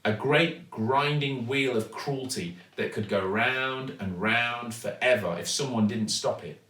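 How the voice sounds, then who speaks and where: A man narrating a children's story expressively, with dramatic, deliberate emphasis. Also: mid-range voice, a bit bright. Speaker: actor reading a children's story. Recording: echoey room, distant microphone.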